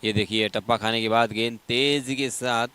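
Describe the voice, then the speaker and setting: Indian male cricket commentator, mid-pitched and crisp, live ball-by-ball call. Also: fairly even intonation, moderate pace, sharp tone.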